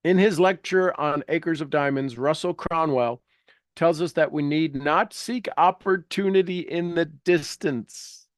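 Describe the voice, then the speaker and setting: Male coach, slightly high-pitched, blunt and informal, prodding a class, dry recording. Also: a little slow, no room sound. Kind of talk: informal coaching talk mixed with reading aloud from a book.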